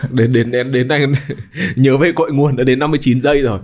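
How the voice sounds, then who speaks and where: A man's voice: mid-range voice, brisk, darkish tone. A man hosting a podcast in casual chat, explaining at length and dropping in English terms. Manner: explanatory, mixes in English terms, many fillers. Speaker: podcast host.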